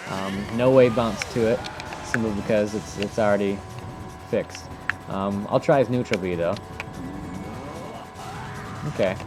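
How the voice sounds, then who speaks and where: A man with a fairly low voice talks through gameplay casually, thinking aloud as he goes. His delivery is informal and unscripted, and music plays clearly behind him. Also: unhurried, long pauses. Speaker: host of a video game technique demonstration.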